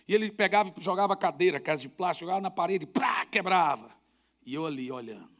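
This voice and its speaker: A man's voice: high-pitched, animated, fast talker, fairly bright tone. A male pastor preaching a sermon, telling humorous anecdotes with emphasis. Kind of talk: storytelling sermon.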